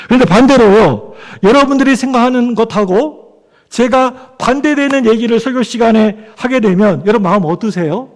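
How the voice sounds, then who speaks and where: In a church sanctuary, a male pastor with an extremely high voice preaches at a moderate pace. His sermon is conversational, and he calls on the congregation for amens, with long hall reverb around him.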